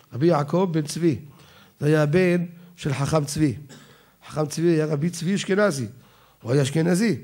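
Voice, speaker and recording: A man with an Israeli Sephardi accent, a rabbi giving an animated Torah lecture who quotes his sources and slows down to spell out how words are pronounced. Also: a little high, slightly rough. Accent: Israeli Sephardi Hebrew.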